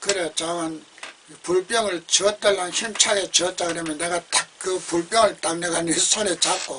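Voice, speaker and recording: Fairly slow speech in a Gyeongsang accent against noticeable background noise. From Gyeongju, South Korea. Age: 80s+. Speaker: church deacon. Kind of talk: religious testimony about heaven and hell.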